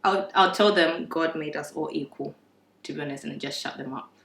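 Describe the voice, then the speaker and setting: Bright-voiced woman talking from far off. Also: deep voice, moderate pace. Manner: animated, laughing, swearing. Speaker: panelist. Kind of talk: casual panel discussion. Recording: echoey room from far off.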